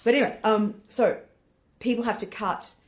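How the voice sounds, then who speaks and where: A woman's voice: fairly high pitch, moderate pace. An Australian woman in her thirties, a comedian chatting as a podcast guest, rambling with lots of laughter. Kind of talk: casual interview chat.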